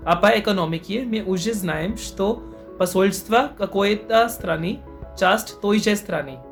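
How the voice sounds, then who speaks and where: An Indian man with a high, slightly slow voice answers interview questions carefully in a language he has learned, speaking over an online call with soft music in the background. He comes across as thoughtful and a little formal.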